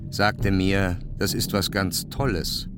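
An actor playing a grave poet-chronicler, reciting avant-garde verse for a radio play in with an incantatory, declamatory delivery. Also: male voice, low-pitched, steady tone, slow, music in the background. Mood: sardonic, grave. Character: grave male poet-chronicler of war and myth.

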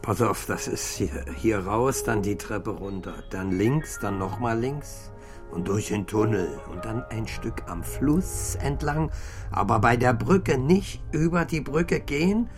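An actor playing a drowsy, good-natured, muddled barfly in a radio drama, rambling and trailing off. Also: male voice, fairly low pitch, measured pace, music in the background, lightly acted.

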